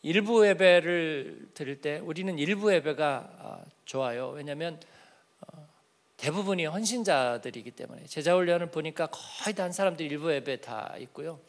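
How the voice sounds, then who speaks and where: Pastor guy with a fairly high voice, early morning sermon, chatty, keeps asking the church stuff and acting out little talks. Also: moderate pace. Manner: conversational, acts out little dialogues, asks the congregation questions.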